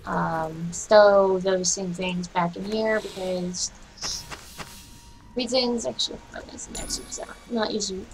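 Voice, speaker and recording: A young woman with a hoarse, raspy voice, casually commenting on her own gameplay while streaming from home and chatting with viewers. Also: medium pitch, poor audio. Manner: chatty, profane, talks to herself while playing. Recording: game music behind voice. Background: game music.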